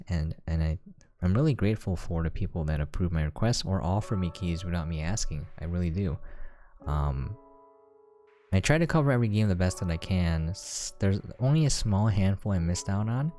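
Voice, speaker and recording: With a deep, warm voice, this man hosts a video game review channel and chats casually through unscripted gameplay in a rambling style. Background music runs underneath.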